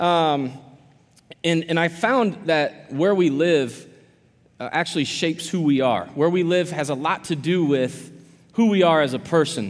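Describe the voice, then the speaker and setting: An animated man with a US Midwestern accent, fairly high in pitch, at a moderate pace with lively intonation. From Quincy, Illinois, US Midwest. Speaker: church staff, guest speaker. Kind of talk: sermon. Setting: church service with audience.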